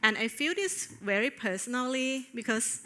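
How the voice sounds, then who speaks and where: Female conference presenter, bright forward tone, earnest and hesitant with fillers. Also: on the high side, lively intonation. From Thailand. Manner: earnest, with frequent filler pauses. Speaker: conference speaker. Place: on stage at a tech conference.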